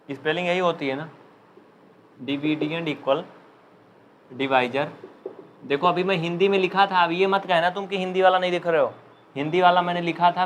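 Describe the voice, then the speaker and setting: A young man with an Uttar Pradesh Hindi accent teaches maths in a live online class, chatting and joking while dictating slowly. His voice is high, and there's a slight hiss or hum.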